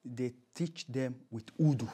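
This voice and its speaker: A man's voice: mid-range voice, a little slow, warm tone, breathy edge. Emphatic Nigerian man being interviewed. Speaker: interview guest. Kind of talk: conversational interview.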